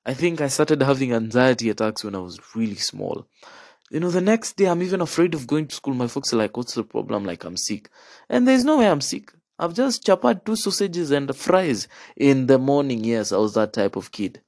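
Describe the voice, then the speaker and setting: A young man with a Kenyan accent tells stories in a casual, animated, chatty monologue, checking in with the listener and dropping in Swahili slang. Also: medium pitch, moderate pace, dry recording, clean studio sound. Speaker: podcast host.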